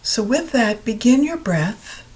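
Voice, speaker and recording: A woman teaching yoga nidra, guiding a meditation in a calm, soothing, unhurried way with long pauses. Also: a little high. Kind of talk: guided meditation narration.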